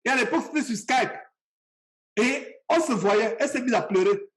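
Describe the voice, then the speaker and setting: A man's voice: very high voice, expressive, moderate pace. A man from Cameroon, preaching a sermon and speaking straight to his listeners with passion and repetition.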